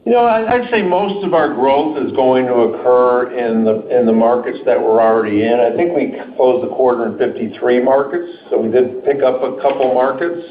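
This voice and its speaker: A man's voice: mid-range voice, moderate pace, few pauses, a little hiss or hum. Man on a roomy, muffled conference call. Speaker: company executive. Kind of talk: earnings call answers, off the cuff. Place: indoor room on a conference call.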